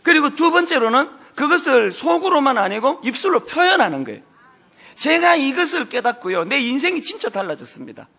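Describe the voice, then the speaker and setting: Animated, gravelly-voiced pastor preaching with humor. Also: male voice, very high-pitched, brisk. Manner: joking, animated preaching with playful asides. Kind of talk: humorous sermon.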